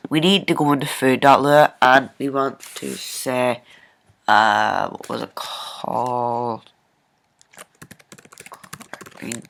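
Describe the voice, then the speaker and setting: A man hosting a casual coding screencast, thinking aloud informally and haltingly as he works at his computer. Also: mid-range voice, creaky, fairly bright tone, a little hiss or hum. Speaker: programming tutorial host. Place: indoors at a computer, screen recording.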